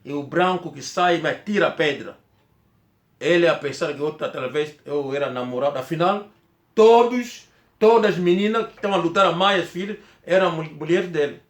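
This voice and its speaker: A man from Angola with an Angolan Portuguese accent, Kikongo being his first language, telling a personal story in a rambling, halting way with many restarts. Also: a little high, reverberant. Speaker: vlogger.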